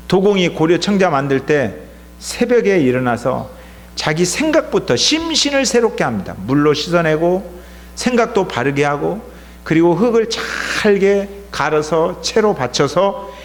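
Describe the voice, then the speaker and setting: Man, pastor, sermon, rhetorical questions, fairly high voice, long hall reverb. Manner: preaching with rhetorical questions to the congregation. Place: church sanctuary.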